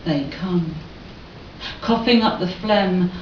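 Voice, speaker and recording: In a Cornish accent, a woman with a medium-pitched voice and ordinary pitch variation speaks amid noticeable background noise and audible room echo. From Cornwall. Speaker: performance poet. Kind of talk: poetry reading.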